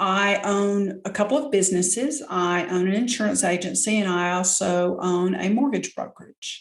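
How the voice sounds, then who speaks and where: A woman with a Southern US accent at a moderate pace, with hardly any pauses. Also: medium pitch for a woman, ordinary pitch variation. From US South, North Georgia. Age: 60s. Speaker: former police officer, business owner. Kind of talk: interview testimony.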